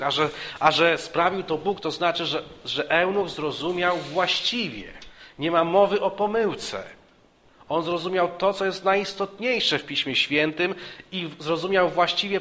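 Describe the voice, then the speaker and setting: Earnest bright-voiced male preacher. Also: on the high side. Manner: earnest, repeats phrases with restarts, rises for emphasis and drops softly. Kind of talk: sermon.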